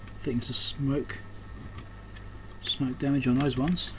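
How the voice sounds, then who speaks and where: A man's voice: medium pitch, level tone, a little slow. A man giving casual, unscripted commentary while doing hands-on repair work, thinking aloud and often trailing off mid-thought. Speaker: electronics repairer and video host. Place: indoors at a repair workbench. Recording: clear background noise, room ambience.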